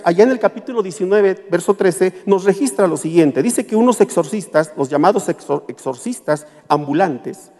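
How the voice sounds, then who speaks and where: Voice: mid-range voice, warm tone. A preacher delivering an emphatic sermon and firing rhetorical questions at the congregation in a church hall. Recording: echoey hall with faint music.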